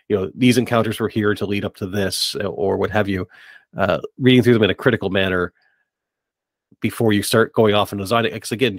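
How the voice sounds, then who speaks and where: Lower-voiced man, tentative conversational podcast host. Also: no echo. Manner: tentative, hedging, circles back to rephrase. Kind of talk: conversational interviewing.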